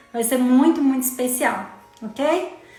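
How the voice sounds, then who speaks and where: A woman speaks with a high pitch and fairly even intonation. There is audible room echo and noticeable background noise. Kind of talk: Bible study livestream with prayer. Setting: livestream. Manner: soft-spoken.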